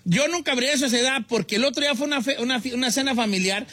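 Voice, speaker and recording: A man's voice: very high-pitched, very fast, sharp tone, no room sound, heavily acted. A man voicing a folksy older Mexican host with a Mexican accent, joking and laughing as he reads listener comments on a comedy talk show. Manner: joking, laughs often, teasing.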